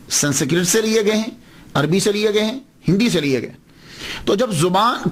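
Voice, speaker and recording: High-voiced scholar lecturing. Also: male voice, husky. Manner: explanatory, poses questions then answers them; slows down to spell out names and words. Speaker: Islamic scholar. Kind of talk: religious lecture.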